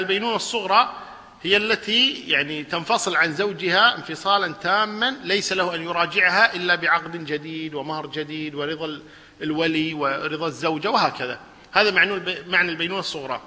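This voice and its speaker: A man's voice: sits high, fast talker, long reverb tail. A man teaching a religious lesson, explaining a text and asking his class questions that he then answers himself. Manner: lively, asks the class questions and answers them. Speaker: Islamic scholar teaching a lesson.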